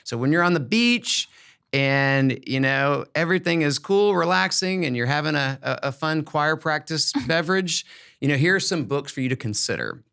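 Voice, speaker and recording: With a fairly high, pushed and bright voice that's clean but shows vocal fry, a middle-aged American man speaks expressively at normal speed. A former school principal, he hosts a conversational educational podcast, explaining things upbeat and emphatically.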